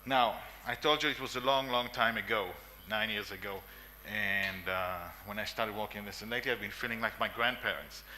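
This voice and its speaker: A man's voice: on the low side, steady tone, a little fast, few pauses, sharp tone, a little hiss or hum. A man in his forties with an Israeli accent, giving an emphatic conference talk with fillers and coughs in a meeting room. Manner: emphatic, repeats lists, frequent coughs and fillers. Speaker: conference speaker.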